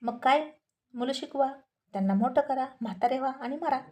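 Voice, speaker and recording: A woman's voice: high voice, normal speed, warm tone, pitched above the performer's own voice, close to an everyday voice. A woman voicing a handsome, gym-going young man who teases and lectures his wife in a story reading.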